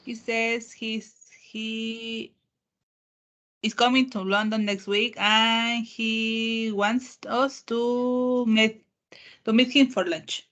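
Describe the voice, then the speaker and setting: A woman student in an online lesson, reading English aloud in a hesitant, halting way. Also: fairly high pitch, little pitch movement, fairly bright tone, highs cut off. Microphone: video call.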